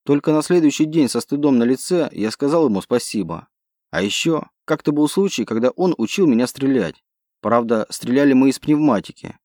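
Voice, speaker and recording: A man narrating a first-person novel in a steady reading manner, with more tension in the dialogue. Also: medium pitch, brisk, dry recording, clean studio sound. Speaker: audiobook narrator. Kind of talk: scripted narration of a sci-fi novel.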